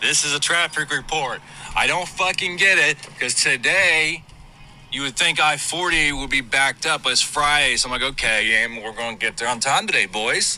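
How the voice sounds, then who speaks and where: A man's fairly high voice at a moderate pace, with ordinary pitch variation, over noticeable background noise. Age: 30s. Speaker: film professor. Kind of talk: recorded monologue while driving. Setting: in a car. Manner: animated.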